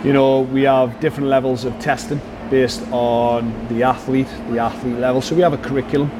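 A man's voice: mid-range voice, level tone, fairly quick, background noise. A man speaking as a performance coach in an interview, explaining things conversationally and circling back with frequent "you know".

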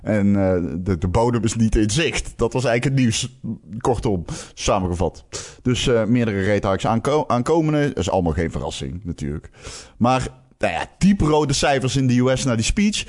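Man, podcast co-host, casual chat, swooping lively pitch, stumbling restarts, laughs while talking. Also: moderate pace, hardly any pauses.

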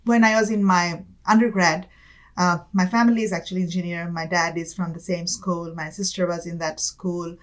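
In a conversational interview, a business school student from Bangladesh in her thirties chats away, sprinkling in "like" and "kind of" and light laughs. Her Bangladeshi-accented voice is on the low side and steady, at a moderate pace.

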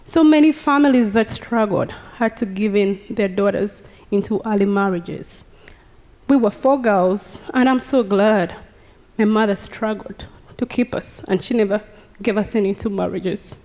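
A woman's voice: mid-range voice, measured pace, darkish tone. Ugandan woman speaking in an echoey church. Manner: earnest, engaging the audience directly. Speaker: guest speaker. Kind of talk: personal testimony to a congregation. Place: church sanctuary. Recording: reverberant church hall.

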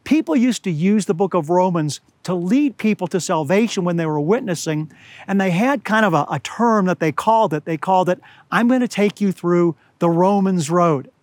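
A high-voiced older man preaches outdoors, his voice a little hoarse and scratchy. He speaks earnestly and deliberately, slowing to press home important words, and the sound is dry and close with little reverb. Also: animated. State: slightly hoarse. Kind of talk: outdoor sermon. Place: outdoors among pine trees at high altitude.

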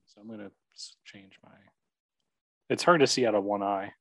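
A man's voice: lowish voice, big pitch swings, normal speed, vocal fry, a crowd in the background. A young man co-hosting a podcast, teasing and playful in casual chat. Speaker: podcast co-host.

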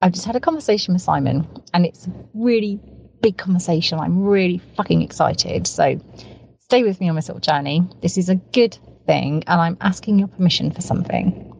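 A woman's voice: fairly low pitch, a little fast, gravelly, a little mellow, a little hiss or hum, poor audio. A woman with a cold, talking in an eager, rambling way and piling up words for emphasis, recorded in a parked car. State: has a cold. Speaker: podcast co-host. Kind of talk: recorded voice message, casual.

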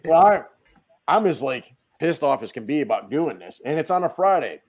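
A man from the northeastern US sits in as a podcast guest and tells long stories with lively energy. His voice is medium-pitched, and his talk is casual and salted with easy swearing. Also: brisk, breathy edge. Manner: animated storyteller, swears casually.

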